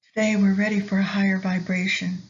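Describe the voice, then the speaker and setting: A woman leading a guided meditation in a soft, soothing manner with long pauses between phrases. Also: medium pitch, level tone. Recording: slightly dull lo-fi recording.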